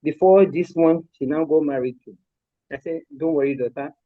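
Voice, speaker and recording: A woman's voice: deep voice, moderate pace, no echo, narrow, tinny audio. An older woman from Lagos with a Nigerian accent, a guest in a live interview who talks about raising her children in an emphatic, firm way. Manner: emphatic, firm, repeats points with force. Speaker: guest, mother and grandmother.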